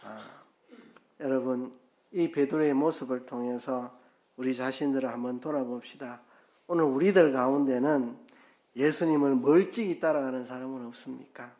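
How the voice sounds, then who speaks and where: A man preaching a sermon as pastor, telling the story lively and acting out quotes, with his voice rising loud and dropping soft. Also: mid-range voice, moderate pace. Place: church sanctuary.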